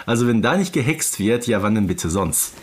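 A man's voice: lowish voice, expressive, normal speed, breathy edge. A man co-hosting a casual review podcast, conversational and often seeking agreement with short tag questions. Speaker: podcast host. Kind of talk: casual review chat about audio dramas.

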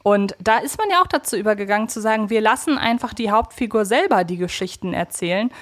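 A woman's voice: medium pitch, lively intonation, quick pace. A woman co-hosting a casual fan podcast, chatty and thinking aloud as she rephrases her points. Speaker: podcast co-host.

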